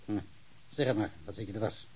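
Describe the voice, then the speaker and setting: An actor playing a patient, reassuring official in a radio drama, with a husky voice. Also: male voice, fairly low pitch, brisk, a little mellow, slight background noise, close to an everyday voice, poor audio. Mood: soothing. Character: patient, reassuring male official calming a suspect. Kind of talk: naturalistic radio drama acting.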